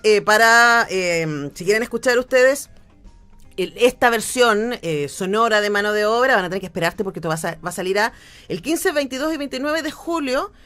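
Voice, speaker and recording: A woman's voice: medium pitch, animated, normal speed, fairly bright tone, soft background music. A woman with a Chilean accent hosts a radio interview conversationally, thinking aloud informally with tag questions.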